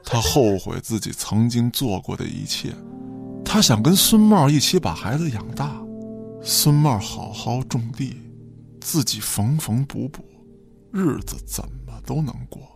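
Animated, gravelly male radio drama narrator. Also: medium pitch, a little slow. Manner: theatrical storytelling. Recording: music behind the voice.

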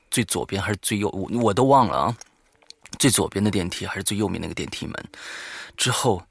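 A man talking informally and haltingly to listeners as the host of a horror story show, alone in a studio. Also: on the low side, gravelly, husky, no echo. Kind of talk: informal spoken monologue to listeners.

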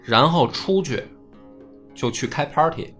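A man, hosting a history podcast, retells court stories in casual, animated chat and swears now and then. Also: unhurried, soft background music. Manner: animated, jumps up in pitch for quoted lines, swears casually.

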